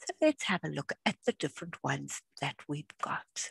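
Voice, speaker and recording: A woman talks with a South African accent. The sound is dry and close with no echo, and the background is quiet. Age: 60s. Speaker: craft instructor and retired educator. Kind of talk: tutorial.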